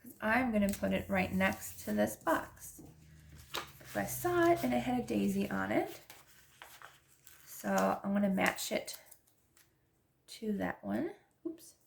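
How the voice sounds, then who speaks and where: A woman's voice: mid-range voice, expressive, slow, creaky, long pauses, slight background noise. A young woman with a stuffy nose from allergies, chatting casually and gushing as she decorates her planner. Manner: chatty, gushing, restarts often. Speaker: planner vlogger.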